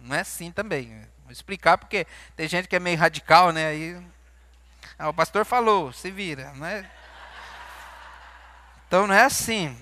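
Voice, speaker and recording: A man's voice: high-pitched, normal speed, long pauses, bright, forceful tone. A man with a Brazilian Portuguese accent preaching a sermon in a church, talking conversationally and asking his congregation questions. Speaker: pastor.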